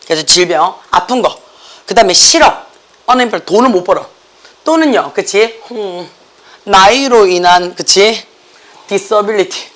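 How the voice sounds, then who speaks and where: Speaking at a measured pace, this hoarse-voiced, middle-aged academy teacher from the Gyeongsang region teaches a class in a mid-range, worn tone. His lecture is playful and animated, with English terms peppering the Korean.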